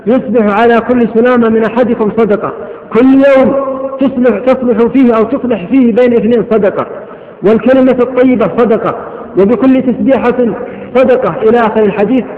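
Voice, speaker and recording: A man preaching a sermon, fervent and rapid, reciting verse and quotations. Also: sits high. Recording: echoey hall, tinny lo-fi recording.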